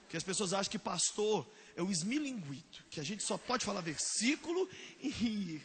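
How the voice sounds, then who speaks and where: A male pastor, preaching a lively, joking sermon with bursts of shouting. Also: sits high, normal speed, a little hiss or hum.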